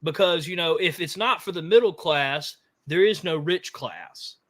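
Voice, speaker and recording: A man's voice: fairly high pitch, measured pace, a bit bright. A man from Mississippi with a Southern accent, co-hosting a casual political podcast. He talks in a fiery, rambling way and often repeats words as he starts a sentence. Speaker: podcast co-host.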